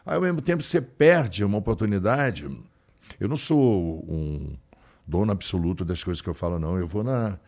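A man speaks in a somewhat low voice. He rambles in a relaxed, affectionate way, circling back and restarting his thoughts as he chats with an interviewer. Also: moderate pace. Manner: warm, rambling, affectionate storyteller with frequent restarts. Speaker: guest. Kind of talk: casual interview chat.

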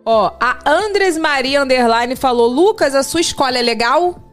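A woman's voice: high-pitched, lively intonation, normal speed, soft background music. A woman hosting a playful family podcast, laughing often and coaxing her toddler to speak. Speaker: podcast host. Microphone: studio podcast mic.

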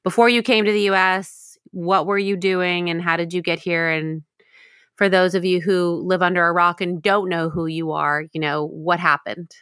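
A woman's voice: fairly low pitch, steady tone, moderate pace, fairly bright tone, clear, resonant tone. A woman hosting a podcast, reading an effusive scripted intro and then chatting in an upbeat way. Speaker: podcast host.

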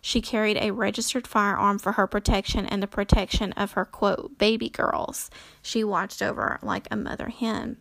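A woman's voice: mid-range voice, level tone, moderate pace, vocal fry, fairly bright tone, no echo. A woman reading book passages aloud at home in a casual way, with frequent fillers and self-corrections. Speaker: reader presenting history from books. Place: home room.

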